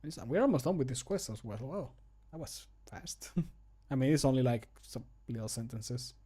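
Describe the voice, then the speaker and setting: Man, thirties, casual streamer chat, mid-pitched voice, amused, self-deprecating, close mic, home room. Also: lively intonation, normal speed, mellow, husky. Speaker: streamer recording mod voicelines. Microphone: close studio microphone.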